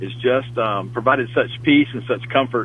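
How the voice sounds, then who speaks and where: A man talks at a fairly slow pace and a medium pitch. Noise is noticeable in the background. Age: 60s. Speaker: pastor. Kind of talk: casual chat.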